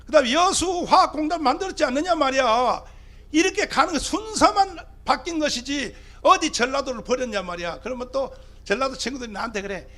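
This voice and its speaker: A man's voice: very high-pitched, expressive, fairly quick, sharp tone. A male pastor, giving an emphatic political rally speech full of rhetorical questions to the crowd. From Gyeongsang (TK) region of South Korea.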